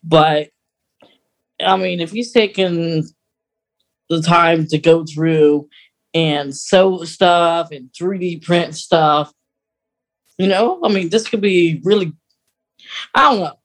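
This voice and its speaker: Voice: medium pitch, slow, pauses often. A podcast co-host chatting casually about a radio drama, explaining things in a rambling, hesitant way.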